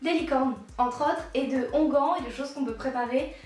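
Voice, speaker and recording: A woman's voice: high voice, moderate pace, a little mellow, faint music behind. Playful French-speaking young woman explaining. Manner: playful, joking asides. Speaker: YouTube creator. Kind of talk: casual explainer. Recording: very echoey room.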